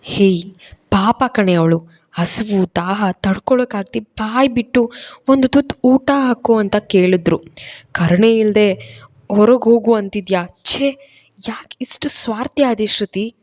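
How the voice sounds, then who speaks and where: A woman's voice: medium pitch, unhurried, a little mellow, close to an everyday voice. A woman voicing a stern young husband who lectures his wife in a storybook reading. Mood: reproachful. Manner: reproachful, lecturing.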